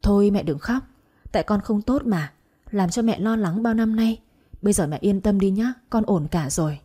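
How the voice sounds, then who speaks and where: Woman doing sweet gentle boyfriend, mellow low-key voice. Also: moderate pace, breathy edge, close to an everyday voice. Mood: tender. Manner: gentle, reassuring. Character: tender devoted young man, gentle lover.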